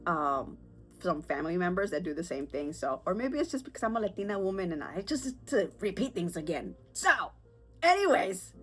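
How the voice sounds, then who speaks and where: A woman's voice: fairly low pitch, fairly bright tone. A sick, stuffed-up woman hosting her own podcast, talking candidly and rambling with fillers. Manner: candid, chatty, rambling with fillers and nervous laughs. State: congested, sick with a sore throat. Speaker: podcast host. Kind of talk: casual solo podcast talk.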